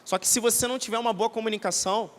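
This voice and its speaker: A man's voice: sits high, steady tone, racing, fairly bright tone. A man with a Brazilian Portuguese accent giving a conversational, didactic teaching talk to a church audience, often checking that listeners follow. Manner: conversational and didactic, many tag questions. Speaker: church seminar speaker. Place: church hall. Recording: reverberant hall.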